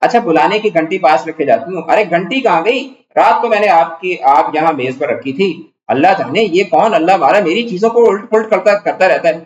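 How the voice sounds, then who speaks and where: A man's voice: high-pitched, voice pushed up, lightly acted. A man voicing a fussy, bossy middle-aged wife as he reads a play aloud in class, in a chiding, fretful manner. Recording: echoey room, dull lo-fi sound.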